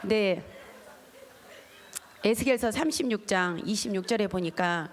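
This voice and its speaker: A middle-aged woman, a pastor's wife, giving a lively testimony sermon at a church service and acting out the voices in her stories. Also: mid-range voice, a little slow. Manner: animated storytelling, acting out quoted voices. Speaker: pastor's wife, guest speaker.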